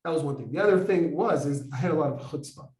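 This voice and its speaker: A man in his forties, raised in America, telling a lively personal story to an audience as a Kabbalah teacher, acting out the dialogue as he goes. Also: a little high, quick pace, far from the mic. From United States. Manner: animated, acts out dialogue, many fillers. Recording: echoey room, voice from afar.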